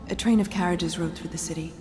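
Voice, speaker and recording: A woman playing a kind, orderly caretaker who speaks softly and soothingly in a video game cutscene. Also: on the low side, steady tone, quick pace, long reverb tail, slight background noise, lightly acted. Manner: soft, soothing.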